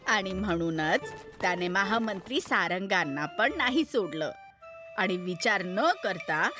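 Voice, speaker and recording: A woman narrates a children's moral story as its storyteller. Her voice sits at a medium pitch, with music playing clearly behind her. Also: animated, unhurried.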